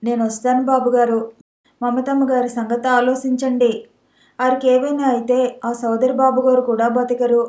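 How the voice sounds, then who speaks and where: A woman's voice: fairly high pitch, level tone, moderate pace, warm tone, echoey room, lightly acted. A woman voicing a frank, earnest village maidservant who speaks in rustic village dialect. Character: village maidservant, middle-aged, earnest and blunt.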